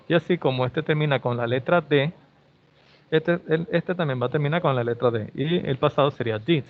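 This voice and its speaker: A male English teacher, explaining grammar in an online class and often checking in with "ok?". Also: mid-range voice. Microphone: video call. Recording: slightly dull video-call audio.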